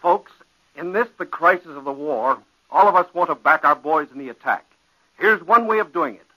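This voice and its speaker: A man's voice: fairly high pitch, lively intonation, normal speed, pushed and bright, poor audio. A man speaking as a 1940s old-time radio announcer, delivering an exhorting appeal on a vintage broadcast.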